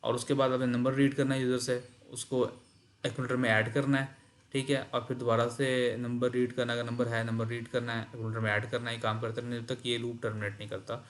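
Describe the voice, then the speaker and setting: A man's voice: medium pitch, level tone, fast talker. A man teaching a programming lesson, reading textbook lines in English and explaining them, repeating the key points.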